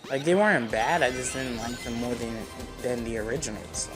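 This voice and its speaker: A man's voice: mid-range voice, normal speed. A young man giving casual, slangy, rambling game commentary as the host of a gaming video. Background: video game music.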